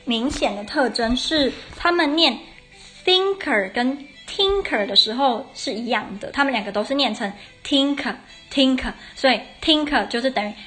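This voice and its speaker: Young woman, slightly high voice, podcast lesson host; chatty, self-correcting, with soft music underneath. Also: lively intonation, normal speed. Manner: chatty, explains step by step, corrects herself mid-sentence. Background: faint traditional Irish music.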